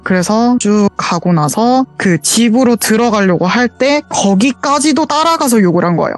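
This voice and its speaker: A woman's voice: a little high, animated, moderate pace, no room sound, faint music behind. A woman calling in over a voice call to earnestly tell a true ghost story in casual, detailed speech. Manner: earnest, detailed retelling with quoted dialogue.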